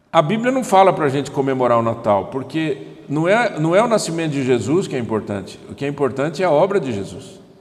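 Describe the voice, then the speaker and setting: Fairly high male voice, fairly quick with hardly any pauses, very wide pitch swings, and noticeable background noise. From Paraná, southern Brazil. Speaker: pastor. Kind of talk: sermon. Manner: animated, conversational.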